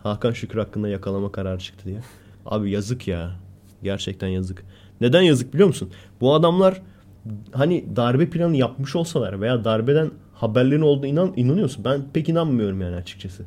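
Telling animated stories during a casual podcast conversation, this co-host speaks briskly in a mellow, warm voice of middle pitch. Whenever he quotes someone shouting, he leaps up in pitch and loudness.

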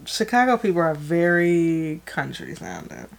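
A woman's voice: low-pitched, huge pitch swings, measured pace, creaky. A young adult woman co-hosting a podcast, chatting casually and hesitantly with many fillers. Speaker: podcast co-host. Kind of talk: casual chat.

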